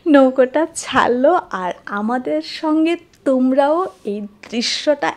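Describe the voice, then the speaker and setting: High-voiced woman vlogging. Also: lively intonation, takes it slowly. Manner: chatty, addresses viewers familiarly. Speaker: travel vlogger, host. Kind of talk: casual travel vlog narration to viewers. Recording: clearly noisy outdoor ambience. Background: ambient noise.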